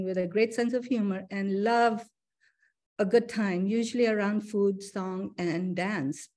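A middle-aged woman, born and raised in Pakistan, gives an online lecture about her art. She talks in a measured, reflective manner, partly reading her script. Her voice sits at a middle pitch and comes through a webcam microphone. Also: darkish tone. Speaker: artist giving a talk. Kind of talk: virtual artist lecture. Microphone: video call webcam.

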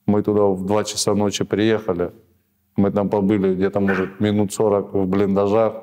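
A man in his thirties, a prisoner of war being interviewed in a small office, answering in halting, rambling sentences full of restarts. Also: on the low side, flat delivery, warm tone. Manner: hesitant, rambling, many restarts and fillers.

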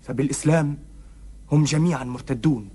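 Severe, raspy tribal warrior played by an actor. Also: male voice, mid-range voice, a little fast, mellow, natural voice. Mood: accusing. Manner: declamatory, accusing. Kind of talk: historical epic TV drama acting in formal Classical Arabic.

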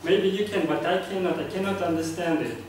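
A man's voice: high voice, brisk, slight background noise. A man, giving an earnest club speech in a meeting room and often restarting his phrases with fillers. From Kazakhstan. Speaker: club speaker. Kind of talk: prepared public speech. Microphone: far camera. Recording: echoey room from far off.

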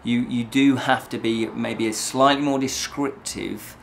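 A man's voice: mid-range voice, fairly even intonation, measured pace, vocal fry, fairly bright tone, a little hiss or hum. A middle-aged man giving a casual, rambling review to camera, often repeating and rephrasing himself. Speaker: host of a fantasy review show. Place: small indoor set with draped backdrop.

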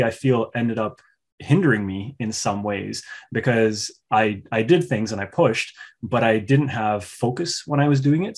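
A man in his thirties from Pakistan, earnestly explaining his thoughts as a conversational interview host. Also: medium pitch. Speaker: host, coach. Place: indoor room at home, on a video call. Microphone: video call.

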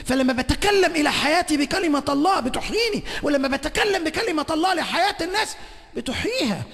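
A man with an Egyptian Arabic accent preaching a sermon at a conference, swinging between shouting and hushed whispers. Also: very high voice, animated, fast, gravelly, big-room sound. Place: large conference hall.

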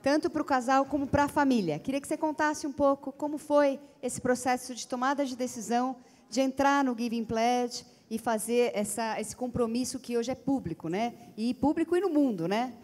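High-voiced Brazilian woman moderating in a hall. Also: moderate pace, darkish tone. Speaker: panel moderator. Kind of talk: introducing and asking questions onstage. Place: stage in a conference hall with seated audience. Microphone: handheld microphone. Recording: reverberant conference hall.

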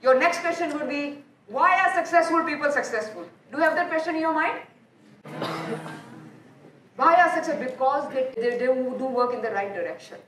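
Lively Indian woman on a stage. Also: high voice, moderate pace, recorded from a distance, a little hiss or hum. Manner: animated, asks the audience questions, repeats words. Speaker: motivational speaker. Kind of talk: live conference talk. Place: large auditorium stage. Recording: echoey hall, heard from off.

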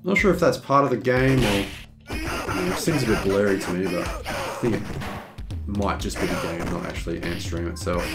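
A man's voice: deep voice, normal speed, over loud music. A hungover man giving loose, rambling, joking, self-mocking casual commentary as he hosts a video game review.

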